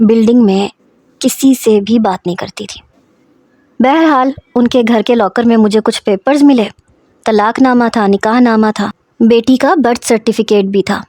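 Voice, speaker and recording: A woman's voice: on the high side, warm tone, dry recording. Woman telling a story, dry close voice. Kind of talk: scripted story narration.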